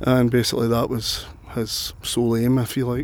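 This man talks at a medium pitch with a Glaswegian accent. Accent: Glaswegian Scottish. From Glasgow, Scotland. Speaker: Glasgow native of Irish ancestry. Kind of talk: casual interview.

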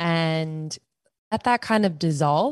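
With an American accent and a fairly low pitch, a woman speaks at a fairly slow pace in an unremarkable speaking voice. The sound is dry and close with no echo, over a quiet background. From Pennsylvania, US East Coast. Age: 30s. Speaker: podcast host, wellness and spirituality. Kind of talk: casual interview chat.

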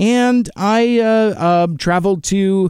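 In a very clean recording with a silent background, a man talks with lively intonation. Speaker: podcast host. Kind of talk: casual monologue. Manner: slow, wordy with many fillers.

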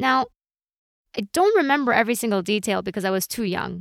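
A woman with a Japanese accent talks at a fairly quick pace in a fairly high pitch, on a very clean recording with a silent background and a dry, close sound with no echo. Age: 20s. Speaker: podcast host. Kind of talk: scripted narration.

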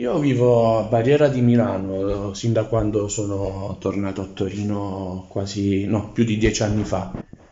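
Fairly slow delivery with fairly even intonation and audible room echo. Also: man, fairly low pitch for a man. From southern Italy (Apulia/Basilicata). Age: 30s. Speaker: student and journalist. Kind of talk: recorded interview monologue. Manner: hesitant.

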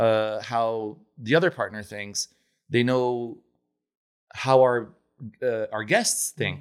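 On a very clean recording with a silent background, a man with an Italian accent speaks very slowly, with long, frequent pauses and big swings in loudness. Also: medium pitch for a man, ordinary pitch variation. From Italy and Monaco. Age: 40s. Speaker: restaurant owner. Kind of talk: interview. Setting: studio.

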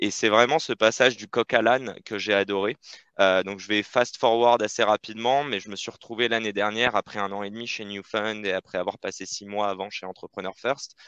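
A man speaks in a plain, everyday voice at a fairly quick clip, his loudness swinging widely while his intonation stays fairly even, with a dry, close sound and no echo over a quiet background. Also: fairly low pitch for a man. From Paris, France. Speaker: sales operations professional and podcast host. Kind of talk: interview.

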